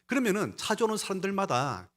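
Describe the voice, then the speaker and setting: A man's voice: high voice, sing-song, fast, fairly bright tone. Emphatic male pastor preaching. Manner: emphatic, rising and falling delivery; talks to the congregation directly. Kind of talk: sermon.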